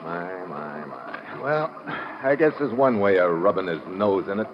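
An actor playing a cool, tough American special agent in a 1950s radio drama, speaking tersely in wisecracking slang. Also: male voice, deep voice, very animated, measured pace, heavily acted. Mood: wry, relaxed. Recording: muffled, noisy vintage radio recording.

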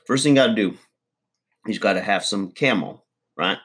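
A man's voice: lowish voice, moderate pace, fairly bright tone, slightly rough. A man playing a crude, boastful middle-aged redneck uncle, rambling folksy advice in a comedy monologue.

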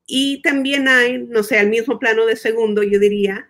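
A woman's voice: a little high, fairly even intonation, normal speed, fairly bright tone. A woman interviewee who lives in the United States, explaining her ideas thoughtfully, repeating words as she thinks and slipping in English terms. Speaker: guest expert. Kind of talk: conversational interview.

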